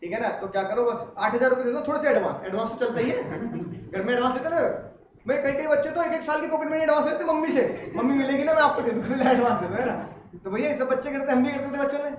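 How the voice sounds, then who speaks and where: High-voiced, animated male lecturer. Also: fast talker. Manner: animated, laughing, acts out family scenes. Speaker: teacher. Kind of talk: classroom lecture told as a comic story. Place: classroom. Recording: echoey classroom, distant mic, muffled, noisy.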